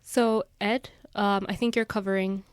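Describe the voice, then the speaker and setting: A woman's voice: mid-range voice, steady tone, unhurried, clean tone, dry recording, clean studio sound. A woman hosting a bilingual news discussion podcast as a reporter, introducing topics and putting questions.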